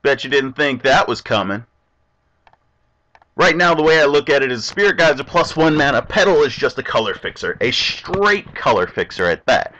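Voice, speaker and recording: A young man narrates his online card game from a home desk mic, chatty and self-talking. His pitch swings widely and stays lively. The recording sounds somewhat dull and lo-fi. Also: normal speed. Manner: chatty, animated, talks to himself and the opponent. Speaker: gameplay commentator. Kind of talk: casual game commentary.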